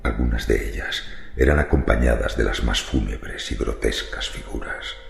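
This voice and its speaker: Guy playing creepy graveyard loner from a horror radio play, super deep croaky voice, brooding and confiding. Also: normal speed, full character voice. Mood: brooding, eerie. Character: macabre male cemetery wanderer confiding a morbid love secret. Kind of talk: dramatic first-person horror radio monologue. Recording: roomy reverberant voice over music. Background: faint music.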